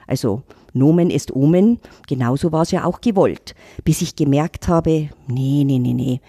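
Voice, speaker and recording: A woman's voice: low-pitched, normal speed, warm tone, husky, no echo, clean studio sound. A middle-aged woman, reflectively telling her story on a podcast. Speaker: intercultural trainer, guest. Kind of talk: casual podcast talk.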